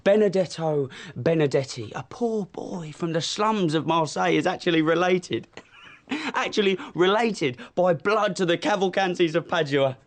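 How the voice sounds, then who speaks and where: An actor playing a nervous, fawning young rogue who stammers and flatters, in a radio drama. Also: male voice, high voice, moderate pace. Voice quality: stammering, obsequious.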